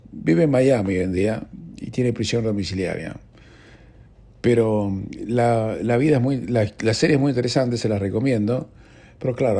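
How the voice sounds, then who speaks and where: A man's voice: mid-range voice, gravelly, mellow, husky. A man with an Argentine accent hosting a radio news show, chatting casually with wry, ironic asides. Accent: Argentine Spanish. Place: radio studio.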